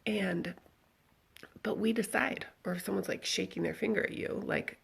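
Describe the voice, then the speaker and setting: Scratchy, husky woman vlogging casually. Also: mid-range voice, fairly even intonation, normal speed, a bit bright. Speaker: vlogger speaking to followers. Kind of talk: casual storytelling and reflective advice. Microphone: handheld phone at arm's length.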